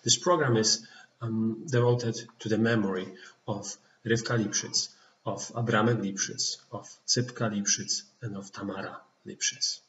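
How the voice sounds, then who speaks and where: Museum director, male, Polish accent, low-pitched, formal introduction, echoey webcam recording. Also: steady tone, a little slow, a bit bright. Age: 30s. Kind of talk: prepared introductory remarks, read with hesitations. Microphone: computer mic on video call. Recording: roomy, slightly distant, dull webcam sound.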